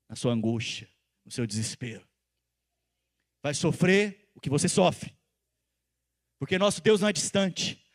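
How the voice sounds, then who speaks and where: High-voiced pastor preaching. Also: male voice. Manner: swings between loud emphatic calls and soft intimate asides; asks the congregation questions and repeats phrases for stress. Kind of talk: sermon.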